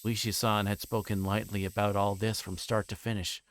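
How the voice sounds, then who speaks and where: A man's voice: fairly low pitch, flat delivery, moderate pace, slight background noise. A male streamer narrating a visual novel aloud, adding his own casual asides.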